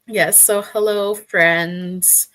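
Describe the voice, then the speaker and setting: A woman hosting a casual livestream chat who has a croaky voice and laughs often while greeting viewers. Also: medium pitch, fairly even intonation, very slow, a bit bright, poor audio. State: croaky voice with a cough. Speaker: livestream host.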